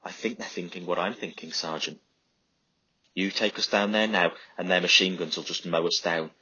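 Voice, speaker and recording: A man voicing a loyal young soldier who speaks quietly and steadily. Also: sits low, fairly even intonation, a little fast, breathy edge, no echo. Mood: quietly defiant. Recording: slightly dull lo-fi recording.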